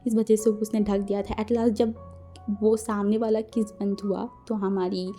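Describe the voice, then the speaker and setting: A woman's voice: medium pitch, flat delivery, a little slow, dark tone, soft background music. A woman casually retelling a fan-fiction story as a channel host, chatty and full of filler phrases.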